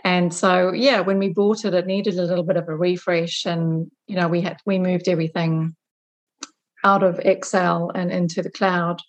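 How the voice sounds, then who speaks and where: A woman's voice: lowish voice, little pitch movement, moderate pace. A middle-aged woman from Zimbabwe answering questions conversationally as an interview guest. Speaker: guest, business owner.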